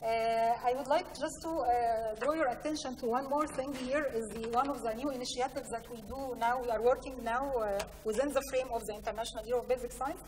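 An Egyptian-accented woman gives a slide presentation at a conference. Her voice sits a little high, and she proceeds haltingly, pausing and repeating words. The sound is reverberant, as from a big hall, with faint noise behind her. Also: steady tone, a little mellow. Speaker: conference speaker, science programme representative. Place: large conference hall, indoors. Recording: echoey hall, distant mic, faint noise.

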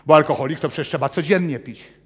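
A man in his fifties preaching a sermon with personal testimony in a small church hall, animated and gesturing as he paces. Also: fairly high pitch, fast, breathy edge. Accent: Polish. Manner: animated, gesturing broadly while pacing the stage. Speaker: pastor.

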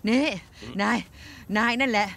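A woman's voice: fairly bright tone, slight background noise, natural voice. A woman voicing a lonely old woman in her later years who grieves her lost dog, dubbed for a drama. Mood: accusing. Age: older. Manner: fretful, quick to accuse, then wistful. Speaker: dubbing actor. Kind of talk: Thai TV drama dub.

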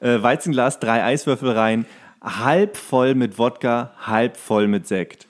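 A man with a medium-pitched voice co-hosts a casual podcast. He tells anecdotes in colloquial, slangy speech, as he would among friends. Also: slow pace. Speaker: podcast co-host.

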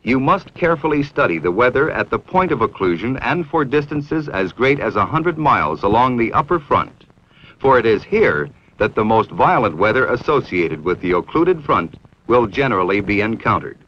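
American man narrating, lively intonation, dull old soundtrack. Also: medium pitch. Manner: formal, measured, authoritative. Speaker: training film narrator. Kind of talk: scripted 1960s instructional film narration. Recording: dull, aged 1960s film soundtrack.

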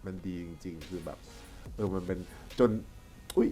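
A reaction show host chatting casually as a fan, gushing and excitable with drawn-out exclamations. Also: low-pitched. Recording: music playing under the talk. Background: music.

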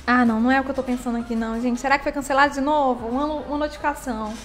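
A woman chats through a live stream, greeting each viewer by name and calling them her loves. Her voice sits high and bright. It rings in a roomy space with faint music underneath. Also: fairly even intonation, racing. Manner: chatty and affectionate, calls viewers by name and pet names.

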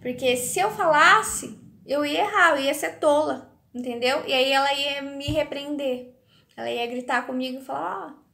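A woman in her thirties shares a faith message in a high voice with a gravelly, creaky texture. She talks haltingly and keeps checking in with her listeners. The sound bounces around an echoey room. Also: sharp tone. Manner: hesitant, keeps asking "sabe?". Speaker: faith vlogger. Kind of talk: casual devotional talk.

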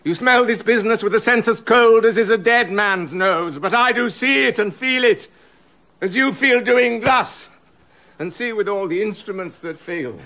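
A man's voice: sits high, moderate pace. An actor playing a jealous, raging older king in a classic verse radio play, bitter and accusing. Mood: scornful. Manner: bitter, accusing, swinging from loud to hushed.

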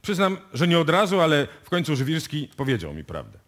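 An actor playing a shrewd, self-assured police inspector in a radio play, explaining deliberately and with authority. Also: male voice, on the high side, huge pitch swings, fairly bright tone. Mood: sly, assured. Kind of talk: live radio play acting.

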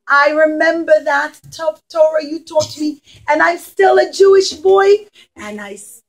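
A woman's voice: high-pitched, low-quality recording. A woman voicing a loyal, pious king who declaims emphatically to his family, in a puppet story.

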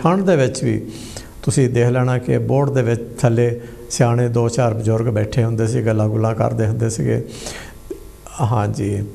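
A man hosts a call-in show from a TV studio. His voice is low-set and gravelly, with a dark, mellow tone. He talks unhurriedly and pauses often to gather his thoughts. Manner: unhurried, reminiscing, with frequent hesitations. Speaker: host of a phone-in memories show. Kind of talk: casual broadcast chat.

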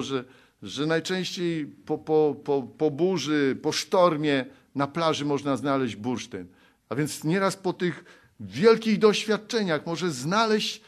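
A man from Poland preaching a sermon, pleading and exhorting, moving between loud appeals and hushed low passages, and reading scripture aloud.

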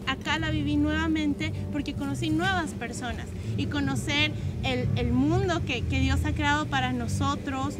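A twenty-year-old woman from Bolivia, giving a hesitant testimony full of restarts, sitting outdoors on a park lawn and filmed by a distant camera. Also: sits high. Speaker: camp participant. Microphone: far camera. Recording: loud music underneath.

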